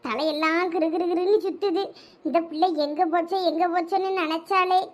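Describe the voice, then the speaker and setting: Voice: very high-pitched, fairly even intonation, a little fast. A voice actor playing a worried middle-aged village mother in a cartoon, lamenting in a Thoothukudi accent. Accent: Thoothukudi Tamil.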